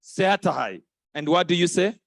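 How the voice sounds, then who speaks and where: Playful high-voiced male event host. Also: expressive, measured pace, dry recording, clean studio sound. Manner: playful, repeats phrases to the crowd, laughs often. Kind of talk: lively crowd interaction. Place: conference hall stage.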